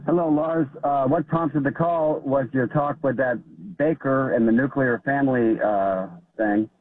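A man's voice: mid-range voice, fairly even intonation, no room sound. Phone-in caller guy from california, tinny phone line, dry, stops and restarts a lot. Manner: hesitant, halting, with many restarts. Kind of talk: call-in explanation on talk radio.

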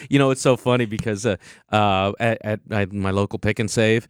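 A man's voice: fairly low pitch, brisk, clear, resonant tone. A man being interviewed on radio as an actor guest, talking eagerly and often restarting and repeating words.

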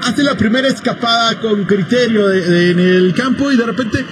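A man's voice: high voice, normal speed, background noise. A man giving conversational analysis as co-commentator on a live soccer broadcast.

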